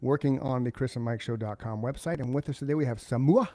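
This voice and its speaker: A quick-talking man co-hosts a live online show with an upbeat, joking manner. He sounds close to the mic in a dry room with little echo. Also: medium pitch, dark tone. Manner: upbeat, jokey, fast-talking. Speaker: podcast co-host. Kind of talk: casual live podcast chat.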